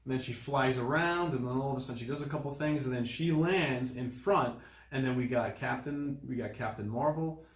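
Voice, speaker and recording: A man hosting a casual movie discussion, retelling scenes in an animated way with repeated phrases. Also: mid-range voice, fairly quick. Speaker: podcast host. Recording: roomy, echoing room sound.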